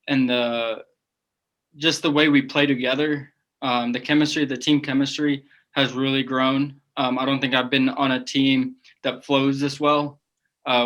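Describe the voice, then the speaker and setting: A young man from South Africa, a native Afrikaans speaker, talking with a Southern accent and a slight Afrikaans edge, soft-spoken and measured. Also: medium pitch. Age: young adult. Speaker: rugby player.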